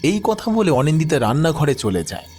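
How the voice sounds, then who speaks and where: A man's voice: on the high side, sing-song, fairly quick, darkish tone, faint music behind. A man narrating a scripted horror story in a dramatic storytelling style.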